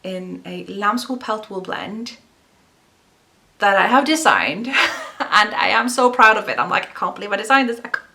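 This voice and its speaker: A woman's voice: medium pitch, lively intonation, normal speed, vocal fry, pushed and bright. A young woman hosting a knitting video podcast, chatting in a rambling, self-deprecating way. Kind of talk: casual vlog chat.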